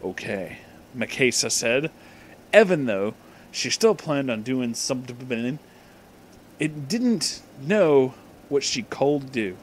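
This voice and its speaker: A man's voice: medium pitch, expressive, takes it slowly, a little hiss or hum. A man hosting a comic reading of fan fiction, exaggerating misspelled words and dropping in mocking, profane asides.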